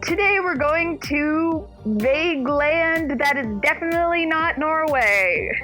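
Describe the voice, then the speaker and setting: A woman co-hosting a casual book club podcast, bubbly and animated with quick asides. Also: sits high, soft background music. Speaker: podcast co-host. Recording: dull lo-fi dry sound.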